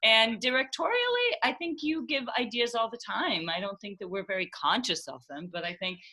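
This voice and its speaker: A woman in her forties, originally from Denmark and raised in Israel, talks about directing on a video call. Her voice is bright and forceful, and she keeps circling back and restarting her thoughts. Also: a little high, lively intonation, fairly quick. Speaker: theatre director and actress. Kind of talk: casual interview chat.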